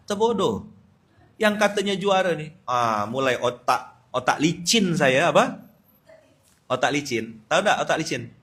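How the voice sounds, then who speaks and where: A man from Pontianak, Indonesia, preaches to a gathering in a mid-range, slightly bright voice. His storytelling sermon is humorous: he tells a funny story, acts out the quoted voices, and laughs often.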